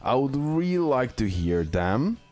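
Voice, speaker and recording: A man's voice: medium pitch, very animated, unhurried, a little mellow. A man hosting a gaming video with casual, unscripted commentary, often repeating himself and checking in with the viewer. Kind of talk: casual unscripted game tier-list commentary. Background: music.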